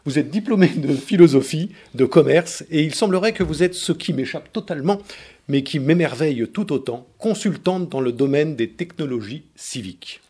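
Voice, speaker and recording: A man's voice: fairly high pitch, lively intonation, mellow, husky. Formal male radio host. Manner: formal, measured. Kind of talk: scripted radio introduction and questions.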